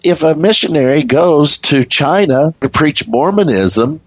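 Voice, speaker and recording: Man co-hosting a faith talk, slow, rising and falling voice, dry slightly muffled sound. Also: a little high, animated, dry recording. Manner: rambling, questioning, teaching tone. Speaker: co-host. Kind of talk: casual religious discussion.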